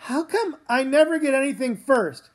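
Woman as little brother, high voice, cautious, pleading, childlike, comic story. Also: animated, normal speed, a little mellow. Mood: whiny. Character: young boy, cautious, whiny little brother. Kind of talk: comic book read-aloud.

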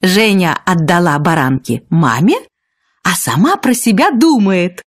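A woman narrating a children's fairy tale from a script, expressive and husky. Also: fairly low pitch, a little slow, no room sound, clean studio sound. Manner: expressive storytelling.

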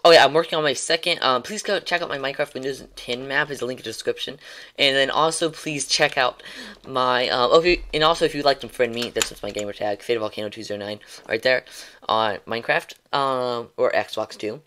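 A brisk, pushed, bright mid-range male voice belongs to a gaming streamer ending his stream with loose, rambling chat. He's tongue-tied, keeps restarting, says um frequently, and chuckles a little while talking.

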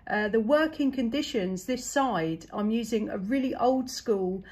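A woman's voice: on the high side, expressive, measured pace, a little mellow, slightly rough. A woman, working as a CB radio operator and chatting through signal reports.

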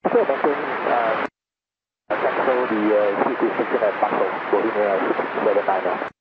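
A man's voice: fairly low pitch, measured pace. A man giving clipped readbacks over an aviation radio. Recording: very noisy, dull aviation radio.

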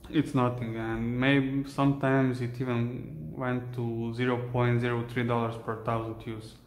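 Young Serbian-accented groomer, flat delivery, talks as he works, faint room hum behind. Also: mid-range voice. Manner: halting, searches for English words. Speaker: dog groomer. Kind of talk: casual talk while grooming. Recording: echoey room.

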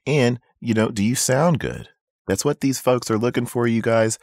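A man's voice: medium pitch, moderate pace, a little mellow, no echo, studio quality. A man hosting a casual tips video for beginners, emphatic and repeating his points for stress. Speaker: voice acting tips host.

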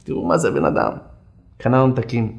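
Animated male storyteller, echoey room. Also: medium pitch, creaky, muffled recording. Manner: animated, acts out the characters. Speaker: religious speaker. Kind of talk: storytelling talk.

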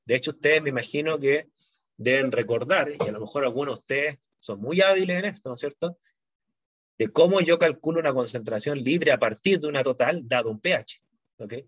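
A man's voice: medium pitch, fairly quick, fairly bright tone, no echo, lo-fi sound. A middle-aged man lecturing on chemistry to a university class, explaining step by step and checking in with his students often. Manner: explanatory, frequent "¿no es cierto?" and "¿ya?" check-ins.

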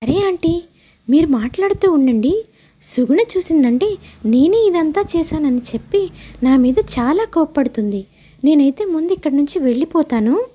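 A woman voicing a protective, persuasive young woman who speaks frankly and insistently for her friend in an animated moral story. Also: high voice, moderate pace, muffled recording. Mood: hurried.

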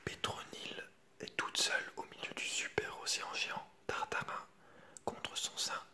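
A man reads aloud from a children's picture book at a moderate pace, his hushed library whisper completely unvoiced. It's ASMR, and he slips in informal remarks to the audience.

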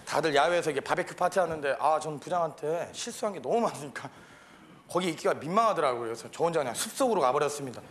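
High-voiced man doing stage comedy. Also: expressive, fast talker, a bit bright, a little hiss or hum. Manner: playful storytelling, shrieks in panic. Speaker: stand-up comedian. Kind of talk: comedy monologue with sung parody. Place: TV studio stage with audience.

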